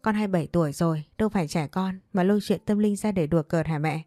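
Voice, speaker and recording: A woman's voice: fairly low pitch, quick pace, warm tone, no echo, clean studio sound, close to an everyday voice. A woman voicing an earnest haunted young man.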